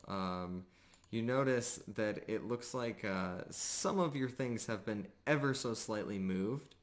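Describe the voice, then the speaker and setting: A man runs a tabletop game as game master, improvising the narration. His voice is fairly low and he talks slowly, with hesitant, halting phrasing.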